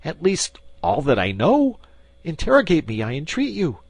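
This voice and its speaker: A high, whining, frantic landlord who pleads and protests in wild swoops of pitch, as a man reads him. The voice is slightly husky and recorded close and dry, like a storybook reading. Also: huge pitch swings, normal speed, no room sound, full character voice. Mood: pleading. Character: frantic, fawning middle-aged male landlord. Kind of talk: audiobook character voice.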